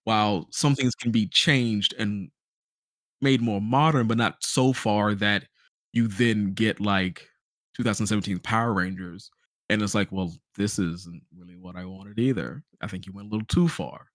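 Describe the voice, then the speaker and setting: A man's voice: on the low side, normal speed, a bit bright, no echo, clean studio sound. A young man co-hosting a podcast in casual chat, slangy and wry. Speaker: podcast co-host.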